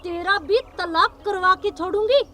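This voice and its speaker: A woman's voice: extremely high pitch, normal speed, a bit bright, slight background noise. A woman playing a haughty older mother-in-law, the village headwoman, who scolds and boasts. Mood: domineering.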